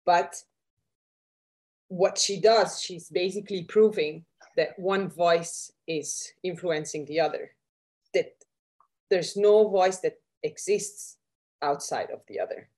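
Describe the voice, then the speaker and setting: A woman's voice: fairly low pitch, slow, darkish tone. A woman speaking as a podcast guest in casual discussion, searching for words with many fillers and restarts. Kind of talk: conversational discussion.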